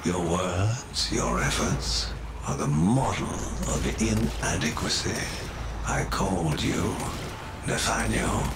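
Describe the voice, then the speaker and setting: An actor playing a stern, grandiose tycoon patriarch in a video game, scornful and theatrical. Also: male voice, low voice, lively intonation, very noisy. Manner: theatrical, scornful, slow oratory. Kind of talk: video game villain monologue. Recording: echoing voice over loud music.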